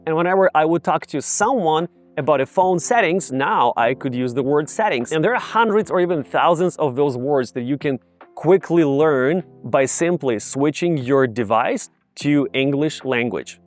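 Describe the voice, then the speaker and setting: A man's voice: a little high, lively intonation, normal speed, faint music behind. A man from Ukraine with a Ukrainian accent, casually teaching viewers to camera in an upbeat, direct way. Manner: upbeat, direct, addresses viewers as "you guys". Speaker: English tutor.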